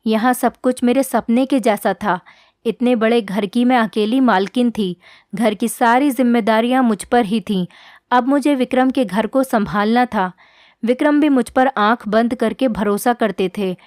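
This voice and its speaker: A woman telling a heartfelt first-person story as a scripted narration, in a steady, earnest reading. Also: a little high, measured pace, no echo, studio quality.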